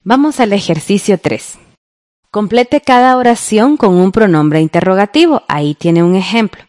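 A woman's voice: mid-range voice, expressive, normal speed, darkish tone, no room sound, clean studio sound. A woman co-hosting a radio grammar lesson, guiding listeners through exercises in a friendly way. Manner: friendly, guiding, asks the listener to follow along. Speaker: radio teacher, co-host.

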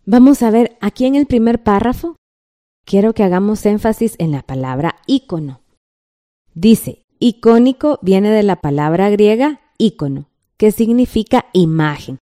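A woman's voice: mid-range voice, animated, unhurried, mellow. A woman with a Guatemalan accent teaching a textbook lesson, patient and checking in often with the listener.

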